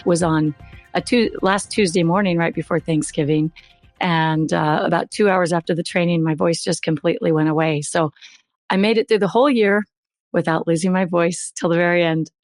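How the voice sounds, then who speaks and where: A middle-aged woman hosting a podcast with a hoarse voice that is still recovering, chatting in an upbeat way. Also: on the low side. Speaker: podcast host. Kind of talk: podcast intro, casual chat.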